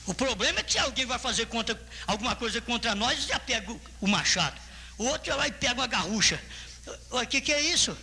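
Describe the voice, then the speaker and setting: High, bright-voiced fervent Brazilian pastor. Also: male voice, expressive, fast, vocal fry, in a large hall, a little hiss or hum. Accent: Brazilian Portuguese. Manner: fervent preaching, repeating phrases, building to loud exclamations. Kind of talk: sermon. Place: church hall.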